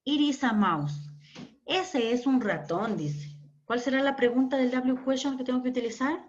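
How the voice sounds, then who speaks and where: A woman's voice: sits high, normal speed. A woman English teacher giving a classroom lesson, patient, repeating words and quizzing her pupils. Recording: dull lo-fi recording.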